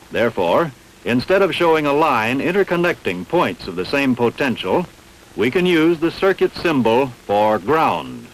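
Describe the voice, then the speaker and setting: A man reading scripted instructional narration in a measured, didactic, carefully enunciated way. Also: medium pitch, low-quality recording. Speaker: training film narrator.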